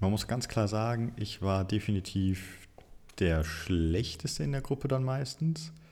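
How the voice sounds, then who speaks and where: A man with a plain, everyday voice talks at a fairly slow pace, his fairly low pitch carrying lively intonation. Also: very even loudness. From western Germany, Bonn area. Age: 20s. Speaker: podcast co-host. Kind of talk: casual chat.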